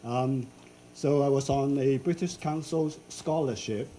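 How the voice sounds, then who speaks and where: Older man lecturing, mellow voice. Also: mid-range voice, slight background noise. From Hong Kong. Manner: unhurried, with frequent fillers and restarts. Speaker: invited professor giving a symposium talk. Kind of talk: academic lecture. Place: lecture hall.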